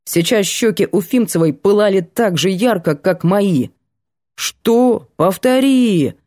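A woman narrating a first-person audiobook in an even, measured storytelling manner. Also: medium pitch, dry recording, studio quality.

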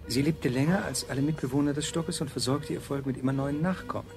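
An actor playing a thoughtful, dutiful member of a colony's ruling caste in a radio play, deliberate and lecturing. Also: male voice, fairly high pitch, lightly acted. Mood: instructive. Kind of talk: 1970s German radio play acting. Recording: music behind the voice.

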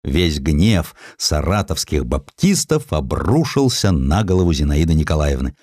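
A man with a low voice reads scripted historical narration. His delivery is highly expressive, with deliberate pauses and shifting emphasis, and the sound is close and dry. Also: dry recording. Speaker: audiobook narrator.

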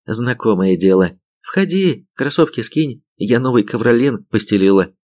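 A man's voice: medium pitch, lively intonation, unhurried, darkish tone. A man voicing a brash, teasing young woman army commander in an audiobook. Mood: teasing bossy. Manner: teasing, bossy.

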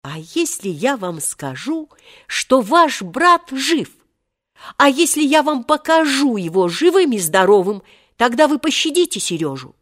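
A woman's voice: high-pitched, big pitch swings, unhurried, a bit bright, voice pushed up, heavily acted. Woman doing an urgent young schoolboy. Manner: urgent, pleading questions. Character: eager, resourceful young schoolboy.

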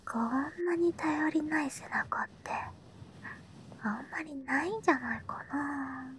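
A woman's voice: sits high, extremely slow, pauses often, slight background noise. A woman voicing a playful, doting schoolgirl little sister who teases her older brother in close, whispered ASMR roleplay. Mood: teasing. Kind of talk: ASMR roleplay with ear cleaning.

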